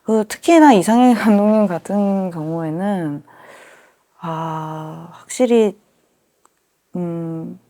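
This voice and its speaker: A woman's voice: fairly low pitch, slow, long pauses, warm tone. A young adult woman being interviewed, talking earnestly and openly, often laughing and acting out remembered lines. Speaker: actress, interview guest. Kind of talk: casual interview talk.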